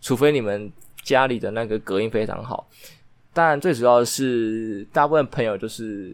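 An ordinary speaking voice with normal pitch movement, recorded very cleanly against a silent background. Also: man. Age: 20s. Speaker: podcast host. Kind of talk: casual solo monologue.

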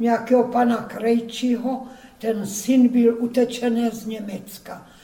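Over noticeable background noise, a woman with a high-pitched voice speaks very slowly. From Moravia, Czechia (Hodonín near Kunštát). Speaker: witness recounting wartime memories. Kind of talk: oral history testimony.

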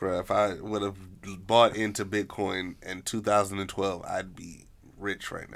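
A man speaks at a very slow pace and fairly low pitch, in a flat monotone with big swings in loudness. The recording is very clean, with a silent background. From Jamaican family background. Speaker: podcast host. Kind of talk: podcast outro plug; casual chat.

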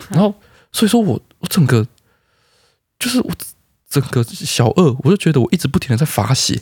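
A fairly high-pitched man at a fairly quick pace, with very wide pitch swings and long, frequent pauses, in a dry, close sound with no echo. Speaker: podcast co-host. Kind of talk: casual chat.

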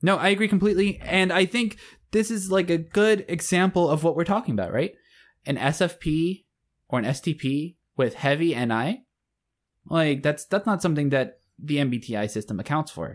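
In a normal speaking voice, a man speaks at a moderate pace with a fairly high pitch and lively intonation, recorded very cleanly against a silent background. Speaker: podcast host and editor. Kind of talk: casual chat.

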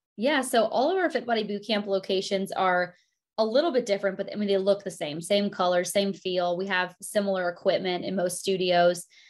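A woman with an American accent speaks in an ordinary speaking voice at medium pitch and a fairly quick pace, with ordinary pitch variation over a quiet background. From US South, southwest central Virginia. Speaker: fitness studio owner and coach. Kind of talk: casual interview chat. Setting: home podcast studio, remote call.

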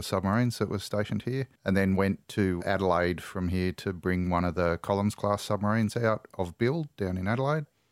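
With an Australian accent, a man talks at a fairly quick pace in a fairly low pitch with ordinary pitch variation, in a dry, close recording with no echo that is very clean against a silent background. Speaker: former navy submariner. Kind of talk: casual interview.

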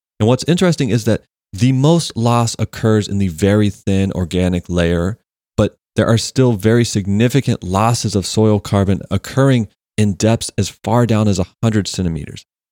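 In a plain, everyday voice, a man with an American accent talks at a moderate pace and fairly low pitch, with ordinary pitch variation and very even loudness, in a dry, close sound with no echo on a very clean recording with a silent background. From US South, Georgia. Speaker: podcast co-host. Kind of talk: casual discussion podcast.

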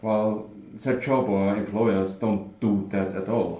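A man with a German accent speaks in a fairly low pitch. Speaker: interviewer. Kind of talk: interview.

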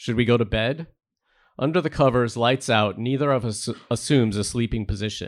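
A man with a plain, everyday voice, a medium pitch, ordinary pitch variation and a moderate pace, in a very clean recording with a silent background. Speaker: literature professor and memoirist. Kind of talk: reading aloud. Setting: bar event with live audience.

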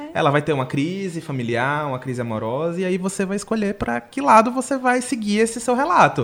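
A man talks at a fairly quick pace with hardly any pauses. His voice is high-pitched and swings very widely in pitch. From Recife, Pernambuco, Brazil. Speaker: journalist. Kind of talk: casual chat.

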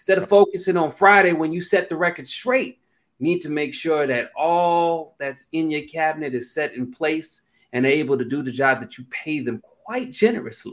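A man talks at a moderate pace in a normal speaking voice. His pitch is fairly high, with ordinary variation. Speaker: podcast co-host. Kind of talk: casual wrestling podcast chat. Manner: casual, slangy.

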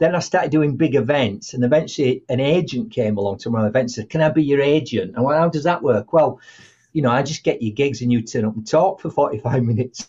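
A man speaks at a very fast pace with a Yorkshire accent. His voice is somewhat breathy, with lively intonation. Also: fairly high pitch for a man. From Yorkshire, northern England. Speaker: motivational speaker. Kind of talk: casual chat. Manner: animated.

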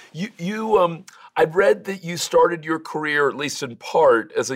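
A man with an unremarkable speaking voice talks at a moderate pace. His pitch is fairly high and his intonation lively. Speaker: interviewer, podcast host. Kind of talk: interview conversation. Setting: video call.

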